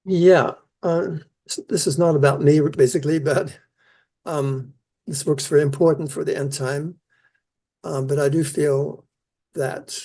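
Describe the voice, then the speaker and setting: An older man, born in the Netherlands and raised in New Zealand, answering interview questions about his scripture research in an earnest, measured way. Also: on the high side, dark tone. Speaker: Isaiah scholar, keynote speaker.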